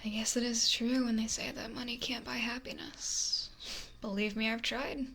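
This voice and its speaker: A woman voicing a possessive, lonely, wealthy female mafia boss in a whispery, breathy, domineering ASMR roleplay, close to the microphone. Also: a little high, flat delivery, moderate pace, pushed and bright, exaggerated voice. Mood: wistful, controlling. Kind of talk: intimate ASMR roleplay monologue. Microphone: close binaural microphone. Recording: noisy close binaural whisper recording.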